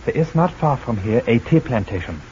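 A man's voice: medium pitch, lively intonation, brisk, mellow, lightly acted. Curt underground fighter played by a guy, stiff phrasing, old radio drama, muffled with hiss. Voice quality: stiff foreign word order. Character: Dutch underground resistance man, curt. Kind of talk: 1940s radio acting. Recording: dull old radio recording, faint hiss.

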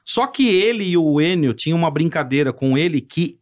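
A man chatting on a podcast, pausing and restarting as he recalls a story. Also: fairly high pitch, lively intonation. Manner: halting, many restarts while recalling. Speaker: guest comedian. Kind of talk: casual podcast chat.

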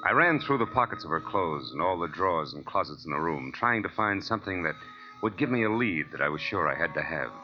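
An actor playing a hard-boiled, wisecracking American private detective in a 1940s radio drama, wry and clipped. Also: male voice, low voice, big pitch swings, fairly quick. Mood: wry, matter-of-fact. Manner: wry, clipped, tough-guy delivery. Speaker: lead actor and narrator. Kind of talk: 1940s radio detective acting, first-person narration. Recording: dull old radio recording with music.

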